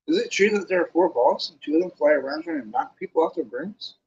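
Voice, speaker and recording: A man's voice: high-pitched, lively intonation, fast, vocal fry, far from the mic, slight background noise, voice pushed up. A man doing a piping, breathless eager boy. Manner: breathless, gushing questions. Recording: dull lo-fi recording.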